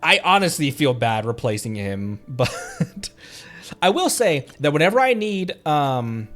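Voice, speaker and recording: Excitable guy streaming a game, voice jumps all over, laughs a lot, faint music behind. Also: mid-range voice. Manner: excitable, laughs often, rambling with restarts. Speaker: VTuber streamer. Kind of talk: casual gameplay chat.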